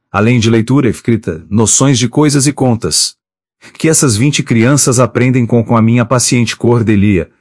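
A man reading a book of letters aloud in a steady, measured way, reading the page headings out too. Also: mid-range voice, no echo, clean studio sound. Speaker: audiobook reader.

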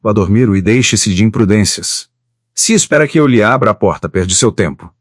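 A man's voice: on the low side, animated, normal speed, dry recording, studio quality. A man voicing a cold young bride who curtly scolds her husband through a locked door. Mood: scolding. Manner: curt, scolding.

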